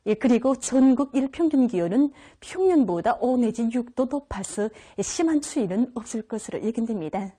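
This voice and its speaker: A female weather presenter with a North Korean accent delivers a scripted report. Her voice is fairly high yet very mellow and soft-edged. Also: slightly rough.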